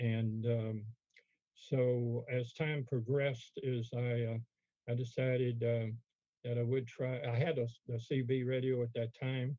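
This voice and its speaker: A man with a Texan accent speaks at a fairly slow pace, his pitch medium. His intonation is monotone and flat, and his loudness stays very even. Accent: Texan Southern US. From East Texas. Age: 80s+. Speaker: ham radio presenter. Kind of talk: presentation. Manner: halting.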